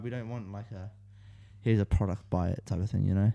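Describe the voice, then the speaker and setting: The voice has a New Zealand accent. Its pitch variation is ordinary. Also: man. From West Auckland, New Zealand. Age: 20s. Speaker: vintage clothing reseller and university student. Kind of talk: casual chat.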